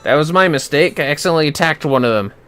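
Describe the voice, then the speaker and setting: A man's voice: on the high side, expressive, rapid-fire, a bit bright, faint music behind. A man giving casual, foul-mouthed commentary on a gaming livestream, muttering to himself with playfully theatrical outbursts.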